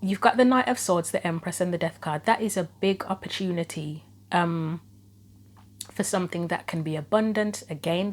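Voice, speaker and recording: A woman doing an informal tarot reading, thinking aloud through possibilities, her throat a little troubled and her voice starting to go. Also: fairly low pitch. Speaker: tarot reader, host of own channel. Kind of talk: casual spoken tarot reading.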